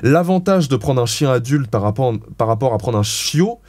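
A man's voice: medium pitch, lively intonation, moderate pace, a little mellow, no echo. A man giving dog-training advice as an interview guest, explaining in a frank, blunt way with casual swearing.

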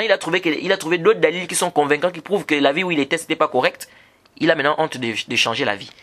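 Teaching about prayer, this Islamic teacher poses rhetorical questions and answers them, slipping Arabic hadith recitations and approving Arabic interjections between his French explanations. His voice is a little high, sounding pushed and bright.

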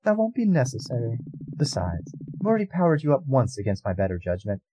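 A man voicing an ancient, weary female goddess who speaks softly and courteously. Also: medium pitch, big pitch swings, fast talker, husky, no room sound, voice pushed up, rough recording. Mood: composed. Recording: music bed underneath.

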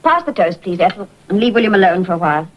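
An actress playing a mild, coaxing middle-aged mother with a breathy voice, in 1940s British film style. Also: mid-range voice, big pitch swings, fast talker. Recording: muffled 1940s film soundtrack.

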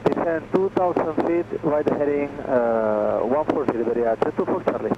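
A male airline pilot reads back instructions with small hesitations. His voice is dull and muffled, and loud noise nearly buries it. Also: a little high, normal speed. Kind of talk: radio readback.

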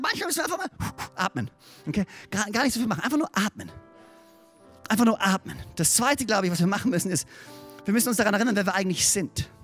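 A middle-aged man, preaching a sermon in an animated storytelling manner and often checking in with his listeners. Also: high-pitched. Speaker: pastor.

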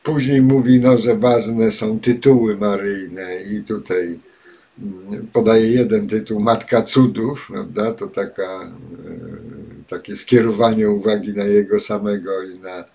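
Older male commentator, lowish voice, halting delivery full of filler sounds, home webcam. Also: fairly even intonation, warm tone, breathy edge. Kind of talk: spoken commentary with read-out passages. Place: home study with bookshelves, indoors.

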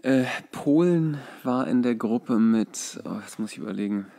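A man's voice: mid-range voice, lively intonation, measured pace, gravelly, warm tone. A man in his thirties co-hosting a podcast in casual sports chat, hesitant and thinking aloud as he goes. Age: 30s. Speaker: podcast co-host.

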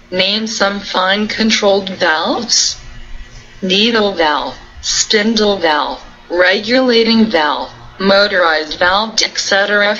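A woman reading out a numbered list of technical interview questions and answers in a flat, even way. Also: medium pitch, muffled recording.

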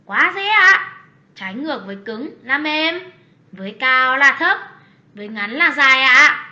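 A chirpy little cartoon schoolboy, very high and bright. He is eager and polite, speaking in a roomy, slightly dull recording. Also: lively intonation, unhurried, heavily acted. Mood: confident. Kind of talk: children's educational cartoon dialogue.

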